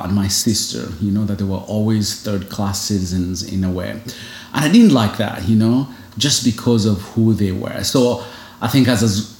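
A single foster father from Uganda speaks earnestly and reflectively as a guest in a casual interview, using lots of "you know" fillers. His voice is fairly low and a little mellow, recorded in an echoey room.

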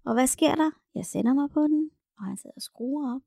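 A woman's voice: sits high, creaky, mellow, no echo, studio quality. A woman chatting candidly about her experiences, with many fillers and restarts. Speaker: swinger sharing experiences. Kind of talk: candid casual chat.

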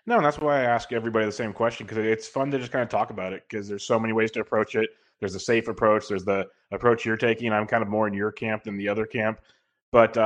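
A man in his thirties hosting a podcast, loud and carrying, talking earnestly and rambling with many restarts. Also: lowish voice. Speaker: podcast host. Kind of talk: casual podcast chat.

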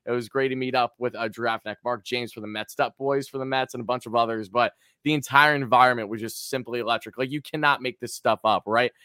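Fast-talking raspy man, excitable and bright. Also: medium pitch, no echo, clean studio sound. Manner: excitable, hyperbolic. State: hoarse from screaming. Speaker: sports podcast co-host. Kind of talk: casual sports chat.

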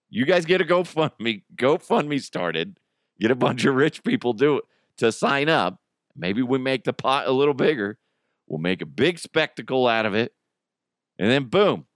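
A man's voice: mid-range voice, sing-song, normal speed, dry recording, clean studio sound. A middle-aged man hosting a podcast as a casual, jokey solo monologue with crude humor. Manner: jokey, crude, acts out imagined exchanges. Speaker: podcast host.

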